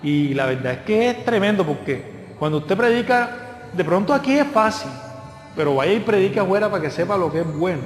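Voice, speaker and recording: A man preaches in a high, lively voice, slipping into the voices of people from his stories. The sound is roomy, from a church hall with long reverb. Soft music sits underneath. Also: fairly quick. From Colombia. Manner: lively storytelling, acts out voices of others. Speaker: guest preacher. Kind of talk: sermon.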